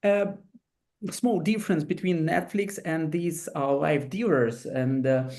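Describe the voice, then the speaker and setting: A man's voice: a little high, a little slow, a little mellow. Hesitant man, non-native English speaker. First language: not English. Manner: hesitant, many fillers and restarts. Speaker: panelist. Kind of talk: webinar panel discussion.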